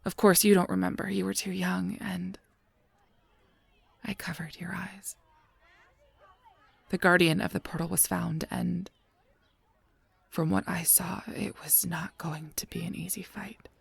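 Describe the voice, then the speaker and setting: An actor playing a solemn, protective guardian angel in an audio drama, speaking gravely and formally with a husky voice. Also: medium pitch, little pitch movement, no room sound, heavily acted. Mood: grave, regretful. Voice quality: husky, breathy, creaky voice. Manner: grave, measured, formal speech. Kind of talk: scripted audio roleplay acting.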